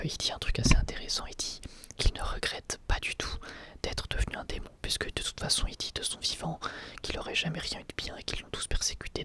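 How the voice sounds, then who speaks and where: An ASMR creator whispering an episode review, hesitant and full of fillers and restarts. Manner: soft, breathy whisper throughout.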